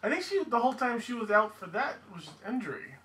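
A man's voice: very high voice, sing-song, fast, pushed and bright. A man co-hosting a podcast in a casual, conversational style. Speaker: podcast co-host. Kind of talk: casual chat, wrestling discussion.

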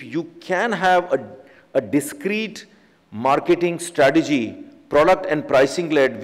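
A man in his forties with an Indian English accent delivers an earnest business keynote, pressing his points and filling gaps with "you know". His voice sits a little high. He speaks into a podium microphone, and the sound rings in a large conference hall with a long reverb. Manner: earnest, emphatic business advice, frequent "you know" fillers. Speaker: company chief executive speaking at a conference.

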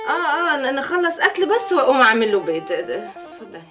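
A woman's voice: high-pitched, big pitch swings, rapid-fire, over music. An actress playing a fussy, snobbish young woman with an Egyptian accent, coaxing with strained patience. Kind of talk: TV drama acting.

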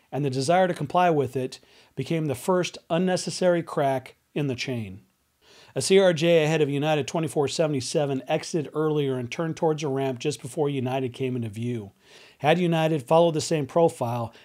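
A man's voice: mid-range voice, darkish tone. A man in his forties giving scripted narration as an aviation video host into a desk microphone. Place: indoor studio. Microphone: desk microphone on boom arm.

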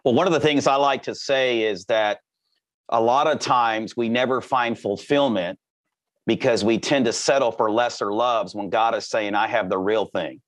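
A man's voice: mid-range voice, no echo. Dry-sounding male podcast host. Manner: conversational, quick affirming interjections. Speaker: podcast host, former pastor. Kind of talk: interview conversation. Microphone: video call.

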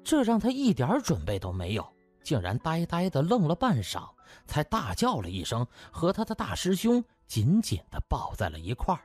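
A man's voice: a little high, huge pitch swings, moderate pace, hardly any pauses, a little mellow, no echo. A man narrating a comic novel as an audiobook in a dramatised storytelling style. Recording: music under the voice. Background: background music.

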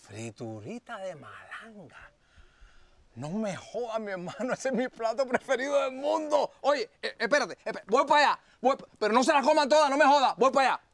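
A middle-aged Cuban man in a comic sketch at home, loud, excitable and quick to swear. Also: very high-pitched. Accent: Cuban Spanish. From Cuba. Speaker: songwriter visiting a friend. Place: home garage and kitchen.

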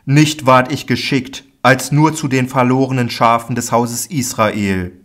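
A man voicing a grave, admonishing teacher, declaiming slowly and emphatically in a Bible audiobook reading. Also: mid-range voice, fairly even intonation, a bit bright, close to an everyday voice.

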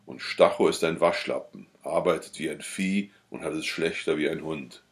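A man's voice: extremely low pitch, moderate pace. Man reading as a sullen peasant husband. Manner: curt, scornful muttering. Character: grumbling proud young peasant husband.

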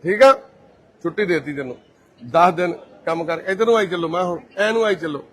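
A man from Punjab, India, the volunteer host of a care society, walking through a care centre and gently reassuring patients and their families. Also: high-pitched, brisk. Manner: gentle and reassuring, calls people mother and brother. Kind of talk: casual on-camera walkthrough talk.

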